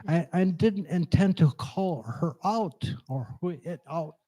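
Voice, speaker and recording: A man with a low voice telling a story at a church gathering, talking slowly and haltingly, searching for words after strokes. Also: dark tone. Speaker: congregation member sharing a story. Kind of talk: halting personal testimony. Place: church hall. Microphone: handheld microphone.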